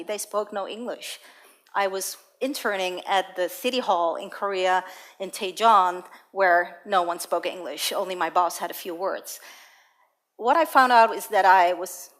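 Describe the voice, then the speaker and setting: A woman from the Netherlands giving a prepared talk on stage, telling personal stories about her life. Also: medium pitch. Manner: personal, storytelling, lively anecdotes. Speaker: speaker. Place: auditorium stage.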